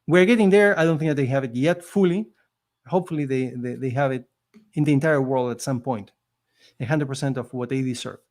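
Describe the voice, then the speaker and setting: A man's voice: medium pitch, fairly quick, darkish tone. A man with a non-native accent, a podcast guest telling his story in an earnest, emphatic, motivational way. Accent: non-native accent in English. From immigrant living in Canada. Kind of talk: conversational storytelling.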